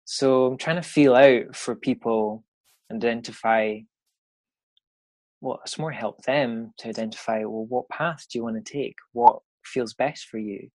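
A man's voice: medium pitch, a little slow, no room sound, low-quality recording. Easygoing Scottish man, dry close sound. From Scotland. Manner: relaxed, rambling, frequent fillers and laughs. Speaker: intuitive card reader, guest. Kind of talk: casual interview talk.

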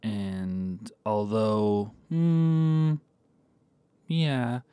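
A man recording a deadpan comedic voice memo into a phone, halting with lots of ums. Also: fairly low pitch, dry recording. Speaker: comic giving mock advice.

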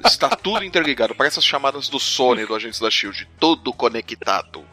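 A man's voice: medium pitch, animated, fairly quick, bright, forceful tone, faint music behind. A man on a casual comedy podcast, firing off crude exclamations and laughing banter. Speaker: podcast co-host.

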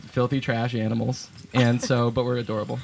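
A young man from Vermont chats about his band in a loose, rambling way. He keeps breaking into small laughs and restarting his sentences. His pitch sits in the middle of the range for a man. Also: level tone, a little fast, creaky, crowd noise. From Vermont, USA. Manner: chatty and laughing, with many fillers and restarts. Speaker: band leader and guitarist. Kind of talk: casual interview chat.

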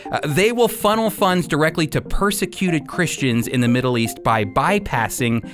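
A man's voice: on the high side, animated, normal speed, music in the background. A man hosting a Christian radio program, speaking in an earnest, emphatic manner. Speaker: radio show host.

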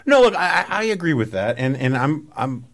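A man's voice: a little high, sing-song, brisk, fairly bright tone. A man hosting a podcast, talking casually and discursively, riffing on analogies. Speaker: podcast host. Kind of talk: casual political conversation.

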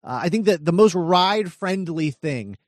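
A man pitching ideas in a casual chat, hesitant, with many pauses and trailing-off endings. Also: animated, no room sound, studio quality. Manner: hesitant, many fillers and restarts, trails off quietly.

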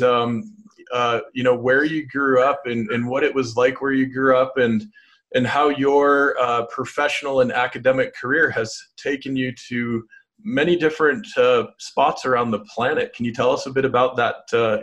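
A man's voice: medium pitch, a bit bright. A man hosting a podcast, asking long, rambling questions with enthusiasm. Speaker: podcast host. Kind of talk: interview hosting.

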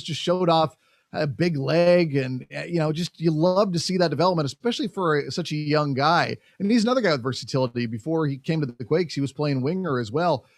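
A young man chatting casually about soccer on a podcast. His voice sits a little high and sounds dry and close to the mic. He talks in an animated way, full of fillers, and acts out quoted exchanges. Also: dry recording. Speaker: podcast co-host covering soccer. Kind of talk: casual sports chat.

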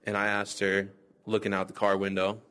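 A man in his twenties from Minnesota, telling his own story in a reflective, unhurried way. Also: on the low side, completely flat delivery, fairly bright tone, clean tone. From Minnesota, United States. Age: 20s. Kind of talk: personal recollection.

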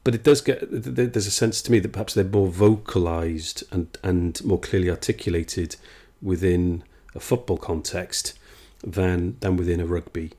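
Low-voiced male interviewer, hesitant. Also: normal speed, few pauses, dark tone. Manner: reflective, hesitant, with repetitions. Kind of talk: conversational interview.

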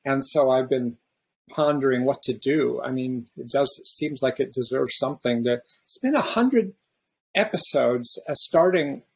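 Man, podcast host, gravelly, husky, halting, restarts sentences. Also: medium pitch. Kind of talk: casual reflective podcast talk.

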